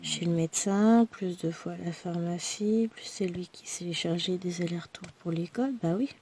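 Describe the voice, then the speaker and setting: A woman vlogger with a hoarse voice from a throat infection, chatting to her viewers in a rambling, tired, self-deprecating way. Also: lowish voice, moderate pace, mellow, slight background noise. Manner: speaks tired and worn out. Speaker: crafting vlogger. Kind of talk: chatty personal update to viewers.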